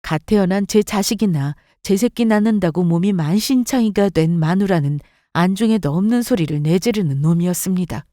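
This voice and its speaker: A woman narrates a scripted first-person story, her telling bitter and resentful. Her voice is mellow and dark. It sounds dry and close to the mic. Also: on the low side, expressive, fairly quick, few pauses, no room sound.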